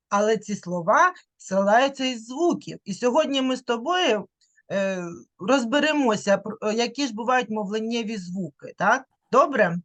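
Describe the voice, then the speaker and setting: A woman teaching a young child to read over a video call, her voice high and full of swooping, lively melody. She demonstrates each vowel by drawing it out, then nudges the child along with patient little questions. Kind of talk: online literacy lesson for a young child.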